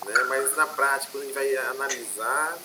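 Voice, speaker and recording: A man's voice: medium pitch, a little fast, echoey room. A Brazilian man with a Brazilian Portuguese accent, a history teacher giving an online class in an explanatory way, with many fillers and tag questions. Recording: noisy online class audio with clicks.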